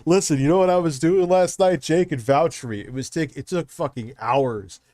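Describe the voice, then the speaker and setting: A man's voice: on the high side, normal speed, a little mellow, no echo, clean studio sound. A man hosting a livestream, talking casually and rambling, with lots of swearing. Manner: profane, rambling, conversational. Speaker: streamer and show host.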